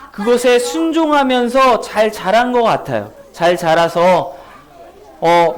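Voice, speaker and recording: A man, a children's pastor, giving a sermon at a children's church service. He tells stories and keeps asking the kids questions. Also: high-pitched. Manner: animated storytelling that asks children questions.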